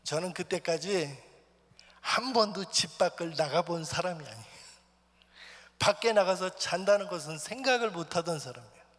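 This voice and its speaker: A man preaching a personal testimony in church, swinging from loud, stirring lines to hushed whispers. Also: sits high, expressive, moderate pace. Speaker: missionary preacher. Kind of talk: sermon testimony. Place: church sanctuary. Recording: long church hall reverb.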